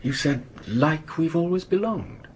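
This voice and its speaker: Exasperated sceptical husband, animated. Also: male voice, fairly high pitch, a little slow. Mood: puzzled, uneasy. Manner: irritable, sardonic. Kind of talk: radio horror play acting. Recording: noisy 1980s radio drama recording.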